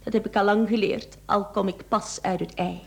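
An actress with a Flemish accent playing a young mistress in a radio play, teasing, coaxing and calculating. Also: female voice, mid-range voice, steady tone, normal speed, vocal fry, close to an everyday voice. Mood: coaxing, determined. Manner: coquettish, teasing.

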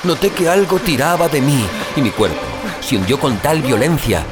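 A man's voice: mid-range voice, sing-song, moderate pace, loud music behind the voice, lightly acted. A man playing an anguished, dazed amnesiac survivor in a first-person audio drama, with theatrical gasps and exclamations. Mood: somber, haunted.

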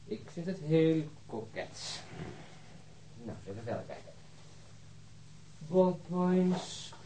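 A man's voice: fairly high pitch, sing-song, slow pace, warm tone, slight background noise, poor audio. An actor in a radio drama playing a wry, uneasy policeman with a dry, sardonic, muttering manner. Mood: dryly mocking. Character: wry, uneasy policeman searching a flat, Lennart. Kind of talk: naturalistic radio drama acting.

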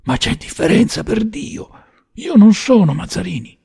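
A man voicing a terrified man who pleads in a strained, high, panicky voice, with a gravelly, husky edge. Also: very animated, normal speed, darkish tone, dry recording, whispered, studio quality, heavily acted. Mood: panicked.

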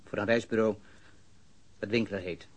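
A man's voice: fairly low pitch, fairly even intonation, moderate pace, lightly acted. An actor playing a guarded suspect in his thirties under questioning in a radio drama, terse and faltering. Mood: guarded, flat. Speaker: interrogated suspect.

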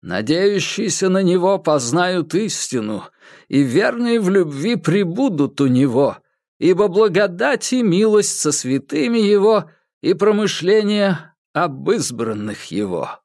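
A man's voice: sits high, sing-song, measured pace, a little mellow, dry recording, studio quality, pitched above the performer's own voice, full character voice. Man doing a solemn intoning preacher. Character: solemn male preacher reciting scripture.

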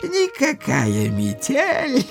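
An actor playing a sly, smug, cowardly village deacon in a theatrical audio drama, with halting, pompous, exclamatory delivery. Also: male voice, extremely high pitch, huge pitch swings, gravelly, faint music behind, heavily acted. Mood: smug, flirtatious.

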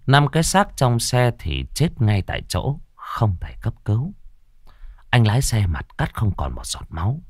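A man tells a ghost story in a grim, dramatic voice. His pitch sits low and moves widely, and the recording is dry and close with no room sound. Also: darkish tone, dry recording. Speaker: horror story narrator.

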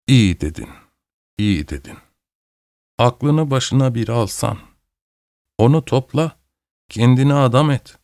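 A man's voice: medium pitch, expressive, darkish tone, no echo, studio quality. A man reading a stern preaching old woman. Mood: lecturing. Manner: slow, scolding, sermonizing.

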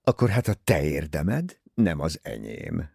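A man voicing a teasing, easygoing young English gentleman talking with his mother in an audiobook. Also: rumbling low, big pitch swings, vocal fry, husky, dry recording, studio quality, pitched below the performer's own voice, exaggerated voice. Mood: wry teasing. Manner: wry, teasing.

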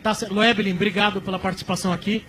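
A man hosting a live sports radio show from a mobile studio van at a stadium, chatty and upbeat with quick back-and-forth. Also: high voice, flat delivery, a bit bright, slight background noise.

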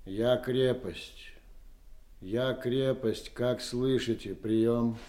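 Very slow, solemn army radio operator. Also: male voice, mid-range voice, fairly even intonation, mellow. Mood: solemn, insistent. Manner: slow, repetitive call-out, solemn. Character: steadfast army radio operator calling from a besieged fortress. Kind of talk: radio drama acting.

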